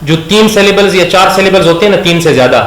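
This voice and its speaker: A man teaching a grammar lesson. He asks questions and slowly drags out words so the class can repeat them. His voice sits a little high and rings in an echoey room. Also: fairly bright tone. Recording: echoey room with faint background noise.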